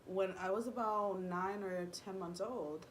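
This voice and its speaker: A woman's voice: medium pitch, fairly even intonation, unhurried, slight background noise. A young woman, a native Spanish speaker, telling a personal story in a rambling, confiding way with many fillers and restarts. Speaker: vlogger.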